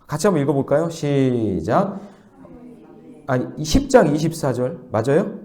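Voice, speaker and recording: A man's voice: a little high, very animated, normal speed, darkish tone. A male pastor giving an early-morning sermon, asking the congregation questions as he preaches.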